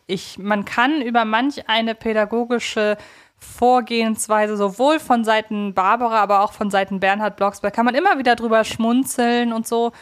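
A woman co-hosting a podcast, talking casually and analytically. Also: mid-range voice. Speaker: podcast co-host.

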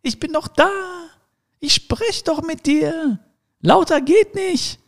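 A man voicing his own heart as a gentle, earnest little figure that speaks in a high, soft, drawn-out way. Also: animated, creaky, long reverb tail, heavily acted. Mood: pleading. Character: gentle pleading male heart, small and earnest.

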